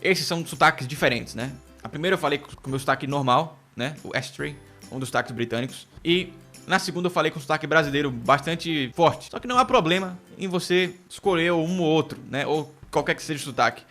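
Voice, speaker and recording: Bright-voiced man teaching pronunciation. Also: a little high, animated, faint music behind. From United Kingdom. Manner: explanatory, repeats words slowly to model pronunciation. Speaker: English teacher. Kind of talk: online English lesson.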